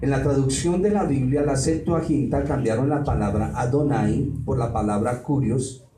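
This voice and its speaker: A man's voice: mid-range voice, normal speed, mellow. A man, a pastor preaching a sermon and putting rhetorical questions to the congregation. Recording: roomy hall, mic at a distance, faint noise.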